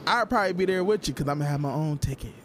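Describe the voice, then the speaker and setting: Higher-voiced African American man, casual chat. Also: very fast, a crowd in the background. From Toledo, Ohio, USA. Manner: repeats and restarts phrases emphatically.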